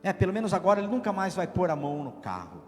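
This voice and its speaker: A harsh, insistent father, as a priest puts him on in a sermon story, voice pushed high and loud. The talk rings through a long church reverb, with a faint guitar behind it. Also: big pitch swings, fast. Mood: angry. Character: angry stern father scolding his family.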